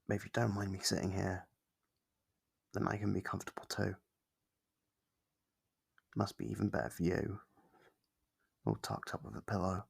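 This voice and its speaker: A kindly sleep paralysis demon, acted by a man, murmurs in a low, heavily creaking voice. The tone is husky and hesitant, gentle and apologetic, in an intimate ASMR roleplay style that soothes and reassures. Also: moderate pace, long pauses, heavily acted. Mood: shy, reassuring. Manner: soft-spoken, hesitant, reassuring. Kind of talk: ASMR roleplay monologue, soft and close.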